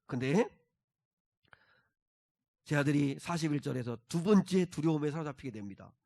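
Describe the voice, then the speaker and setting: A fairly high-pitched pastor with lively intonation preaches at a moderate pace. His sermon alternates hushed asides with loud, emphatic urging, and he leads the congregation as they read scripture.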